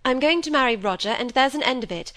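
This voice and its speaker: A woman's voice: high voice, expressive, fast talker, voice pushed up. A woman voicing a proud, impatient young woman who speaks sharply and curtly. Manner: sharp, curt.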